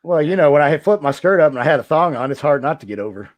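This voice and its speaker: A man's voice: a little high, lively intonation, racing, no echo. A man reminiscing casually as a podcast host, with a joking, self-mocking way of talking. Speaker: podcast host, former wrestler.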